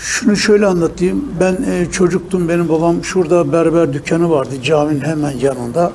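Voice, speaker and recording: Over light background noise, a man with a high pitch speaks at a moderate pace with ordinary pitch variation and hardly any pauses. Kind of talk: interview answer. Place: cafe.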